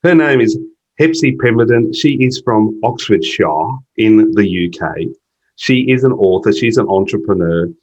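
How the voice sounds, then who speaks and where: A man's voice: lowish voice, lively intonation, normal speed, darkish tone, highs cut off. A man hosting an interview show over a video call, chatty and jokey with an upbeat, enthusiastic manner. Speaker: podcast host. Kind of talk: casual interview chat.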